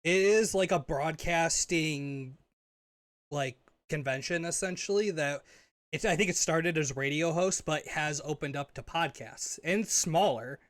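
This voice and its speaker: A man co-hosting a casual podcast, his voice a touch higher than most and recorded very dry and close. He laughs easily, teases, and pokes fun at himself. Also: measured pace, fairly bright tone, dry recording. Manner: laughs often, teasing, self-deprecating. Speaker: podcast co-host.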